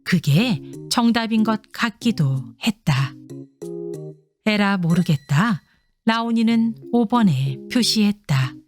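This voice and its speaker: A woman's voice: mid-range voice, lively intonation, takes it slowly. A woman narrating a scripted children's story, reading aloud expressively as if to young children. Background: soft instrumental music.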